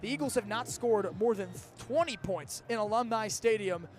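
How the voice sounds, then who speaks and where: A young American man in his early twenties doing energetic, vivid live play-by-play of football on the radio. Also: high-pitched, normal speed, faint music behind. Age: early 20s. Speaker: play-by-play announcer.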